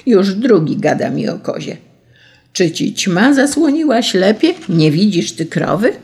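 A storyteller voicing an indignant old peasant farmer who shouts in outrage, raised high and loud above the narration. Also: expressive, moderate pace, gravelly. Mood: indignant shouting.

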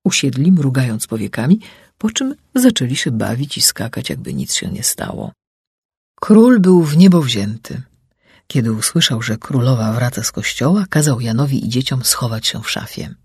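A man narrating a fairy tale in an expressive, rising and falling way, with a husky voice. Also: mid-range voice, moderate pace, no echo, studio quality. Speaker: storyteller.

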